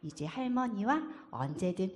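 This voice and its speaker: Woman reading a picture book, expressive. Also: mid-range voice, normal speed, big-room sound. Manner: calm, expressive storytelling. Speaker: pastor's wife.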